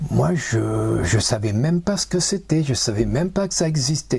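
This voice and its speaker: Male voice with very wide pitch swings at a fairly slow pace. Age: 70s. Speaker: health and fasting author, video blogger. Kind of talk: monologue to camera. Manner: hesitant, many repetitions.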